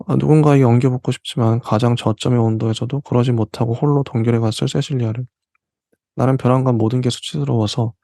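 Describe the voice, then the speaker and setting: A man hosting a literature channel, reading passages from a novel aloud and explaining them in between with soft fillers. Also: medium pitch, gravelly, no echo. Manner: reads passages slowly, then comments with soft fillers.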